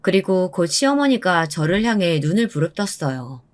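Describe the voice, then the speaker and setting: A woman narrating a true-story radio drama in a calm, cold and firm voice. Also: fairly low pitch, moderate pace.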